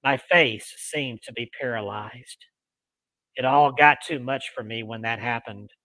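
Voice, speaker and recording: Male paranormal show host, deliberate storytelling read with casual touches, forward bright tone, dry recording. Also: medium pitch, dry recording, poor audio. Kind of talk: reading ghost stories aloud with casual asides.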